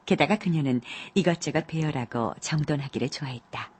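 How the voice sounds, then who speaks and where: A woman narrating a classic story audiobook in a measured, calm way, with a husky voice. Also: low-pitched.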